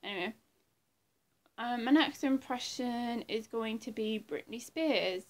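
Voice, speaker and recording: A woman's voice: fairly high pitch, a little slow. A young woman chatting casually to her webcam in a small room, swearing and laughing often. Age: young adult. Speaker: vlogger. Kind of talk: casual vlog chat.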